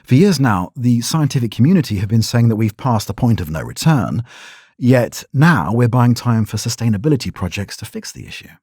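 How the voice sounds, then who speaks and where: A man playing a composed radio news host in a sci-fi audio drama, speaking in a measured, formal, probing way with a husky voice. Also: mid-range voice, very animated, warm tone, no echo, studio quality. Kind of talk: scripted broadcast news delivery in an audio drama.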